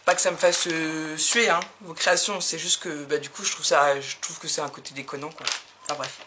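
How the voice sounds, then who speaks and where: A woman's voice: low voice, fairly even intonation, fairly quick. A woman from France chatting casually as she opens fan mail for her craft videos, laughing often and gushing with enthusiasm. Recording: audible background noise.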